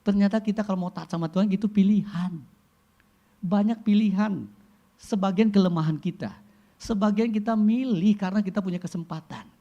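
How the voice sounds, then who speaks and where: A male pastor preaching a sermon in a church, lively, acting out short quoted exchanges in casual slang. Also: high-pitched, fairly quick, muffled recording. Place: church hall.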